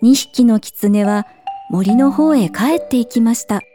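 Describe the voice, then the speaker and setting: A woman narrating a children's storybook in a gentle, measured way. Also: on the high side, over music. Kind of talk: storybook reading.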